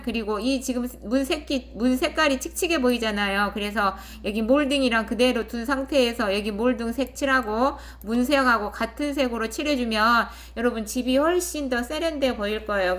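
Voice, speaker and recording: A woman's voice: fairly high pitch, a bit bright. A woman hosting a property channel, explaining a listing in a conversational way and often checking in with viewers. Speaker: host of a rural real-estate channel. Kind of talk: casual explanatory narration of property listing and photos.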